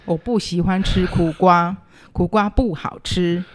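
A woman's voice: on the low side, steady tone, a little slow, no room sound. A woman with a Taiwanese Mandarin accent, chatting and telling stories casually as a podcast co-host, playful, emphatic and opinionated. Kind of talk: casual banter and storytelling.

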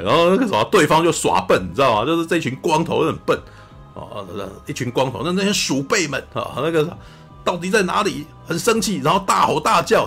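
A man from Taiwan, co-hosting a podcast and chatting casually about a film, animated, acting out scenes and often saying "you know". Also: mid-range voice. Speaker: podcast co-host. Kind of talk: casual film review chat.

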